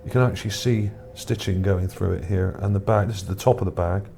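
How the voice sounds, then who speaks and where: Low, mellow male video commentator, musing. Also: steady tone, a little fast, gravelly. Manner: musing, tentative, hesitant. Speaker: video narrator presenting own image finds. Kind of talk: casual, unscripted screen commentary. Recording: background noise under the voice.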